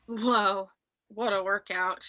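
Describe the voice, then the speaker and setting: A woman's voice: mid-range voice, steady tone, slow pace, pushed and bright, no echo, rough recording. A woman playing a cocky young male wrestler, a vengeful braggart, in an amateur staged reading of wrestling promos. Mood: straining, boastful.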